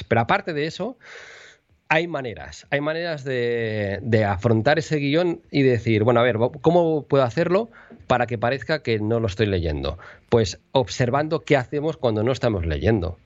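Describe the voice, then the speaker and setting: Un locutor de radio español explica con entonación muy viva y cambiante, algo afónico. Su voz suena seca y cercana, sin eco de sala. La grabación es algo apagada, de banda estrecha. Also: male voice, medium pitch, moderate pace, no room sound, highs cut off. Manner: lively, teaching with mock intonation examples. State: losing his voice, sipping water. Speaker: radio broadcaster and voice teacher. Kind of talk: conversational interview.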